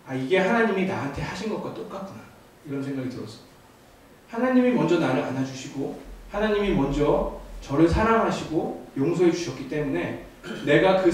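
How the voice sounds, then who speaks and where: A man in his thirties, a youth ministry pastor, preaches a youth sermon in a church sanctuary, telling a family story with asides to the congregation. His voice is a little high with a darkish tone. The recording is echoey and taken from far off in the church.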